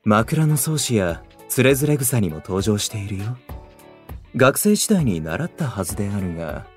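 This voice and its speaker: A man's voice: fairly low pitch, big pitch swings, normal speed, a little mellow. A man playing a young idol in a voice drama who speaks in formal, archaic, literary Japanese. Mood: refined, instructive. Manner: formal, old-fashioned, scholarly wording. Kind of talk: anime-style voice drama acting. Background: music.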